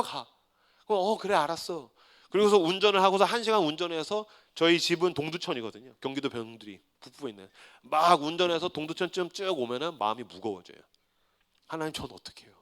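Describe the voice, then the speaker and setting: A male pastor in his forties preaching a sermon, telling his story with humor and swinging from hushed confession to loud defiance. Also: high voice. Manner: swings from hushed tearful confession to shouted defiance, acting out his own prayers.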